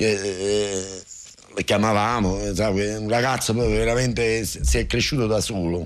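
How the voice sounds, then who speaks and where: A man with an ordinary speaking voice talks at a fairly low pitch with ordinary pitch variation. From Naples, Italy. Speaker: actor and filmmaker. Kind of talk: radio interview.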